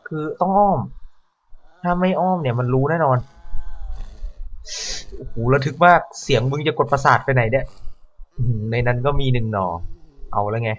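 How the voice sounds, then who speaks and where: A man giving let's-play commentary on a horror game. He talks to the zombies and swings from calm asides to startled yelps. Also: medium pitch, normal speed, pauses often, lo-fi sound. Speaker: gameplay commentator.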